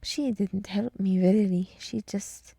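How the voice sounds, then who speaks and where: A woman playing a gentle, earnest deer woman in an ASMR roleplay, speaking in a soft, breathy, mostly whispered voice with an encouraging, rambling manner. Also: mid-range voice, steady tone, takes it slowly, no echo, full character voice. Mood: sleepy, rambling.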